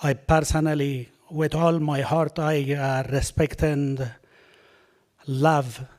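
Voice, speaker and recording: A man whose first language is Persian, giving a short, halting speech with many pauses and fillers before he performs. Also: on the high side, level tone, a little mellow. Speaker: guest musician and poet. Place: award ceremony hall.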